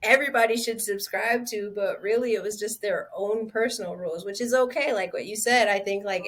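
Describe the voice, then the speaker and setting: Podcast guest, woman, mid-pitched, animated and chatty, many fillers. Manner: animated, lots of "like" fillers and restarts. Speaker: interview guest, outdoor group founder. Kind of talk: casual podcast conversation.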